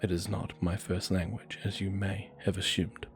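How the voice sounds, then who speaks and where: A man with a very low voice reads true creepy stories aloud. His delivery is steady and measured. Faint music plays beneath him. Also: creaky. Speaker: narrator. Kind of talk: reading horror stories aloud.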